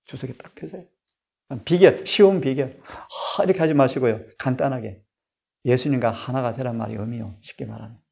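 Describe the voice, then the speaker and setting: A man preaching a sermon, emphatic and full of rhetorical questions to the congregation, swinging between loud stressed lines and hushed asides. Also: mid-range voice, brisk, creaky. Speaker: pastor and Bible study director.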